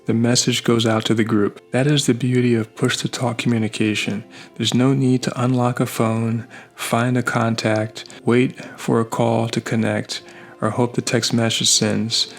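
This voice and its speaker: A man delivers scripted product review narration in a mid-range voice with noticeable vocal fry. He speaks in measured, short phrases and plain statements, like a reviewer walking through a device step by step. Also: mid-range voice, level tone, faint music behind.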